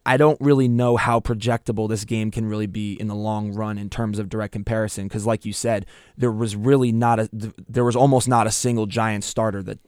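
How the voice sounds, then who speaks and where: A young man hosts a sports talk show with a croaky, strained voice. The tone stays smooth and clear even through the hoarseness. The recording is close and dry, and he pushes ahead with energy. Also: lowish voice, no room sound. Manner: energetic, talks through his points with restarts. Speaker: podcast host.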